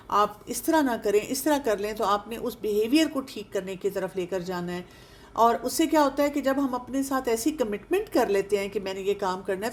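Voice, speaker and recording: A woman counselor giving an earnest advice talk to older listeners, coaxing them with rhetorical questions and mixing English words into her speech. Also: mid-range voice. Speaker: counselor and speaker on aging.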